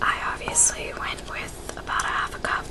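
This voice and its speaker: Over noticeable background noise comes whispering at a very slow pace. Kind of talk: ASMR kitchen tutorial. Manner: whispered.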